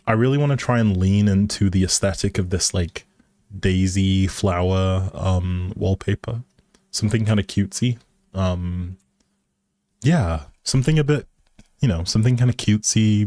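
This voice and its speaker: A man's voice: on the low side, darkish tone, dry recording, studio quality. A man hosting a game livestream, chatting casually and thinking aloud in an easygoing way as he plays. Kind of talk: casual livestream commentary while playing a life simulation game.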